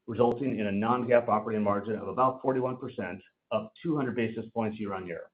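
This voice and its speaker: A man giving a formal, measured, scripted financial presentation as a company executive on a conference call. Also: mid-range voice, slight background noise. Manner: formal, measured delivery of prepared remarks. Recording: narrow tinny phone-line sound.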